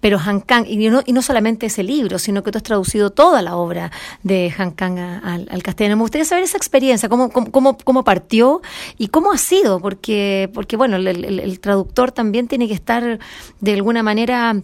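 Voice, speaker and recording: A woman's voice: mid-range voice, expressive, fairly quick. A woman hosting an interview, asking long questions with many hesitations and repeated words.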